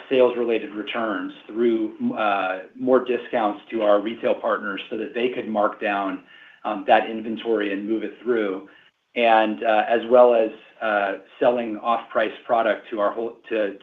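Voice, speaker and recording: A low-voiced man, a finance executive, walks analysts through results in a steady, explanatory way, with fillers. His voice sounds roomy and thin, like an echoey phone line. He speaks on a conference call. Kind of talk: earnings call answers.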